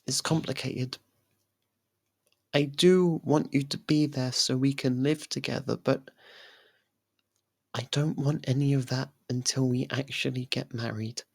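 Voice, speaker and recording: A performer voicing a possessive, lovestruck young faerie royal in an intimate ASMR roleplay, soft and halting, tender and clingy. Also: medium pitch, steady tone, vocal fry. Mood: tender, protective.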